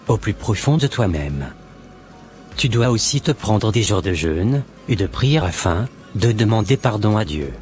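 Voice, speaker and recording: A man's voice: on the low side, darkish tone. A man playing a newly converted Christian man in a cartoon, who speaks earnestly and exhorts others.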